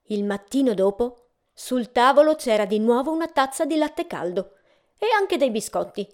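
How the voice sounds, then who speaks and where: A woman narrates a storybook in a calm, measured way, her voice sitting slightly high. She gives each sentence a gentle, unhurried shape, as if reading aloud to listeners.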